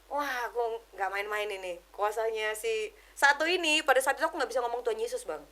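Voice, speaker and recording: A woman giving an emotional personal testimony as a podcast guest, telling it in an animated way and keeping the host close in the talk. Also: fairly high pitch, fast, slight background noise. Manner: animated storytelling, keeps addressing the host as brother; drops English words into her speech.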